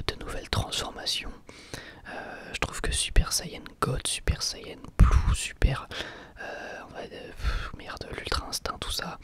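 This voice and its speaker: A man hosting an ASMR channel, answering viewer questions in a soft, hesitant whisper with frequent pauses. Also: medium pitch.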